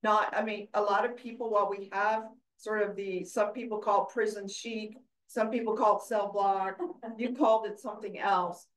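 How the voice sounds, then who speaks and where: A woman leading a neighborhood board meeting, speaking in a measured way with frequent hedges. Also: medium pitch, fairly even intonation, slight background noise. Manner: measured, hedging with "I think". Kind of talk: public meeting discussion. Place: meeting room. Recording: roomy hall mic from far off.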